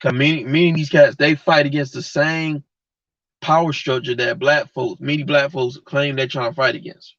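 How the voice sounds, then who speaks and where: A man streaming live rants to his chat in a blunt, heated, slangy way, using a mid-range, slightly bright voice with fairly even intonation at normal speed. His dull lo-fi mic captures no room sound.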